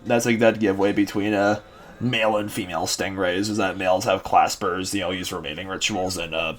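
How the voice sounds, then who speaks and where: A man's voice: sits low, brisk, faint music behind. Rambling young man in a casual vlog. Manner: rambling, many fillers and restarts; excitable fan talk. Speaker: host.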